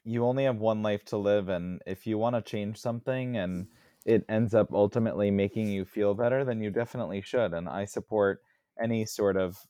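A man's voice: lowish voice, a little fast, warm tone, clear, resonant tone, no room sound, studio quality. A man co-hosting a casual podcast, easygoing and restarting his sentences often. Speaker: podcast co-host.

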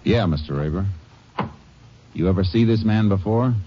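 An actor playing a stern, dogged Texas Ranger, terse and commanding, in 1950s western radio drama. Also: male voice, fairly low pitch, moderate pace, lightly acted. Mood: probing. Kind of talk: 1950s western radio drama acting with first-person narration. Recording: dull old radio recording with music.

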